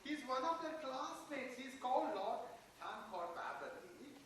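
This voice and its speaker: Actress as giggly excitable theatre fan, gushing, high voice, way off mic in a big echo. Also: female voice, measured pace. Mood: amused, delighted. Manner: gushing, breathless enthusiasm. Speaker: stage actor. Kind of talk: dramatised play reading. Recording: echoey hall, distant mic, faint noise.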